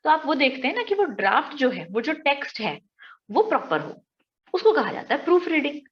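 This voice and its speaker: An Indian woman teaches an exam-prep lesson mixing Hindi and English, explaining step by step with everyday examples and rhetorical questions. Her voice sits high and sing-song, and she speaks briskly. The audio is dull.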